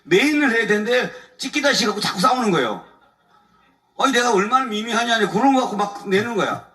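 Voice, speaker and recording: Male lawyer at a church testimony, high bright voice, chuckling, casual and aggrieved, picked up by a distant mic. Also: animated, a little fast. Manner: colloquial, chuckles often, aggrieved storytelling. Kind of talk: animated testimony talk. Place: church evening service before a congregation.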